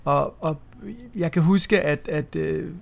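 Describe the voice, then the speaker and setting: A Danish man in his fifties co-hosts a casual radio chat about music, recalling memories hesitantly with frequent restarts and repeated words. His voice is fairly high and gravelly, with a steady tone.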